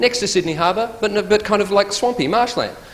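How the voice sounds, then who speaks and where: A very fast, high-pitched man with an Australian accent and ordinary pitch variation, amid noticeable background noise. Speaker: stand-up comedian. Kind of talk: stand-up comedy routine. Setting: live stage with audience.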